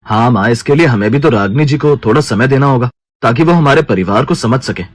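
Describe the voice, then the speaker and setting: A man's voice: mid-range voice, animated, fairly quick, no echo, clean studio sound, lightly acted. Man voicing a polite young husband. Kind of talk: cartoon voice acting.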